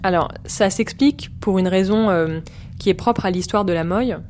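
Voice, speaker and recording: A woman historian explaining her research in a measured way, with frequent hesitations. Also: mid-range voice, a little mellow, a little hiss or hum. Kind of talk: explanatory interview.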